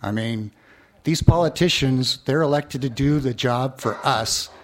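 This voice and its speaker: A man's voice: mid-range voice, measured pace, a little hiss or hum. A man making a blunt, dismissive point during public comment at a hearing.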